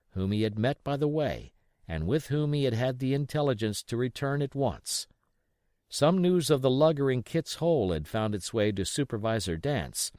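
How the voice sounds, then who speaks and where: A man reading an adventure novel aloud as scripted, expressive, dramatic narration. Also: fairly low pitch, dry recording, studio quality. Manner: expressive storytelling. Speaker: audiobook reader.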